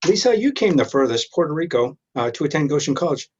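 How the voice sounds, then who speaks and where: A man's voice: on the high side, big pitch swings, quick pace, a little mellow, a little hiss or hum. A man moderating a panel, asking brief, direct questions. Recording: dull lo-fi sound.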